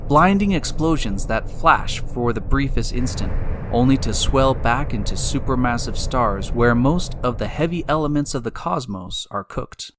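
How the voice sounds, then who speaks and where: A man's voice: mid-range voice, background noise. A man delivering scripted, dramatized science narration as the guide of a radio drama, explanatory in manner. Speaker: narrator and time machine guide. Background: loud music.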